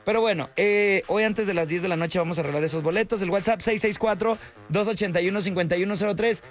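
A man's voice: sits high, fast, faint music behind. A man hosting an evening radio show, chatting casually and chummily with listeners. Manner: chummy, slangy, upbeat. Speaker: radio host. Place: radio studio.

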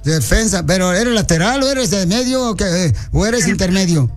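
A man's voice: high-pitched, expressive, moderate pace. A man hosting a radio prank call, posing as a soccer scout and asking teasing, rambling questions. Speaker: radio prank show host. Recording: radio broadcast with music behind.

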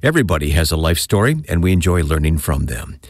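A man's voice: rumbling low, lively intonation, fast talker, no echo, clean studio sound. A man who hosts a radio interview show, introducing his guest and chatting with her and laughing along. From Michigan.

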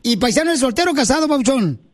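A man's voice: extremely high pitch, sing-song, racing. A man hosting a radio show, teasing his caller and crew in slangy, joking banter with lots of laughter.

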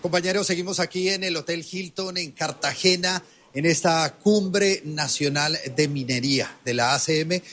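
A man's voice: on the high side, moderate pace, hardly any pauses, a bit bright. A man reporting live from an event and questioning a guest. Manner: formal, on-air. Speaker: field reporter.

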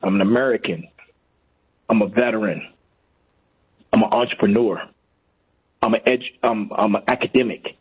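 A man's voice: lowish voice, moderate pace, pauses often, husky. A man calling in to a radio show, speaking earnestly and repeating himself for emphasis. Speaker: caller. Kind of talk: call-in radio. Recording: tinny phone line.

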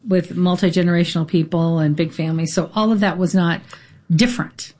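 A woman's voice: on the low side, fairly even intonation, a little fast, darkish tone. A woman interviewing a guest in a casual conversation, encouraging him with frequent short affirmations.

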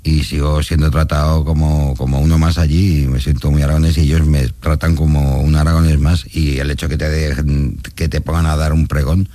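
Very deep-voiced blunt middle-aged man. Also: level tone, brisk, few pauses, warm tone, dry recording. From Catalonia, Spain. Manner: blunt, swears freely, tells anecdotes with laughs. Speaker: guest. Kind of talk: casual chat.

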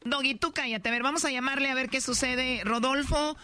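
A male radio host who asks brisk, teasing questions while interviewing a caller. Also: very high-pitched, steady tone, noisy background.

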